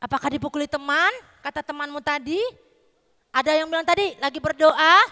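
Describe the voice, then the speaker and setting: A woman with a North Sumatran Indonesian accent teaching a children's Christmas Sunday school lesson, lively and quizzing the kids with questions. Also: sits high, fairly quick. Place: church hall. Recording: echoey hall.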